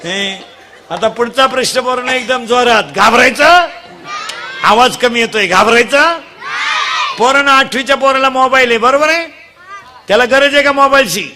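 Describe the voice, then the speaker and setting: A man leading a comic devotional kirtan, teasing the crowd and quizzing children, urging them to answer loudly. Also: extremely high pitch, fairly quick. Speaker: kirtan preacher. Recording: live crowd with faint noise.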